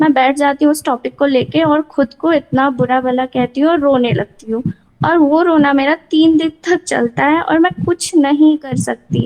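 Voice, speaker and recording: Pitch variation is ordinary, and the sound stays dry and close with no echo. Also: woman. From Nepal. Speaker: exam aspirant seeking mentorship. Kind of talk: mentorship call.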